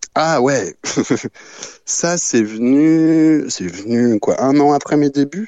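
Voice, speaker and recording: A man speaks with lively intonation. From Belgium, Brussels. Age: 30s. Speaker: comedian. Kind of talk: casual chat.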